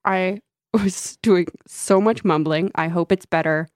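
Unhurried and fairly even in intonation, this woman's voice sits on the low side. She co-hosts a podcast in a slight Midwestern accent, chatting casually, laughing often, toying with word sounds, and whistling faintly through her braces. The studio mic gives clean, echo-free sound.

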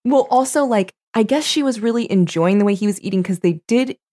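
A woman's voice: medium pitch, expressive, brisk, mellow. A woman co-hosting a podcast in casual chat, reading book passages aloud with playful emphasis. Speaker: podcast co-host. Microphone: studio microphone.

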